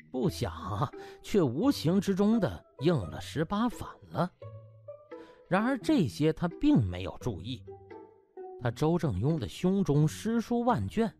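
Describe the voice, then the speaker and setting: A man narrating a comic audiobook in an animated storytelling style. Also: on the high side. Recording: music bed behind.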